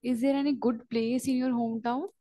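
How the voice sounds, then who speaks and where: A woman's voice: fairly high pitch, little pitch movement, brisk, warm tone, no echo. A woman acting as examiner in a mock speaking test, asking brief, formal questions over a video call.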